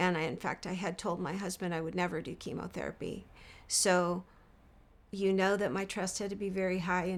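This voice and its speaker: On a very clean recording with a silent background, a woman speaks with medium pitch and monotone, flat intonation. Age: 60s. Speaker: cancer patient. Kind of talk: testimony.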